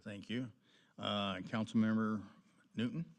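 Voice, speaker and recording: Man, meeting chair, fairly low voice, creaky, unhurried pace, informal official talk. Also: fairly even intonation. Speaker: mayor pro tem chairing council meeting.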